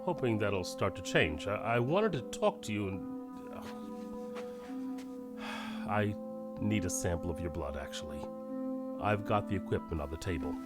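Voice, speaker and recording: A man's voice: low voice, expressive, normal speed, long pauses, over loud music. A man playing an anxious, protective middle-aged scientist father in an audio drama, speaking hesitantly, carefully and earnestly.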